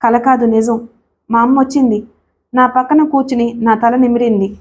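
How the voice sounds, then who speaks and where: A woman's voice: fairly high pitch, fairly even intonation, normal speed, darkish tone, close to an everyday voice. A woman voicing a young married woman who pleads tearfully and insists she is right, in a read-aloud story. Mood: tearful pleading.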